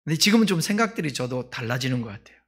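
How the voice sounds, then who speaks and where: A male pastor preaching a sermon in a conversational way, asking the congregation questions and swinging between loud emphasis and quiet asides. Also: mid-range voice, very animated, very fast, breathy edge.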